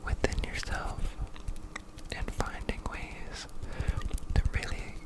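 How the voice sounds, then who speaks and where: A man delivers an ASMR pep talk entirely in whispers. His pacing is very slow and unhurried. He sounds gentle and earnest as he offers encouraging affirmations directly to the listener. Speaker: ASMR creator and streamer.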